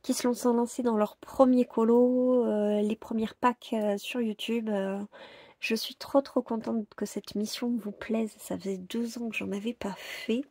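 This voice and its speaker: Woman vlogger rambling about coloring books, bit gravelly and husky, dry close sound. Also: a little high, little pitch movement, a little slow, darkish tone, no echo. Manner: chatty, hesitant, many fillers and repeats. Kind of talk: casual chat about coloring plans.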